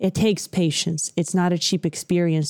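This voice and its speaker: In a very clean recording with a silent background, a woman with an unremarkable speaking voice and a fairly low pitch talks at a moderate pace. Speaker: podcast co-host. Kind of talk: casual discussion of scripture.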